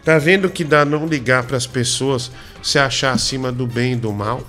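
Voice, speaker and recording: A man's voice: mid-range voice, moderate pace, sharp tone, soft background music. A man hosting a comedy radio show, needling and teasing his co-host.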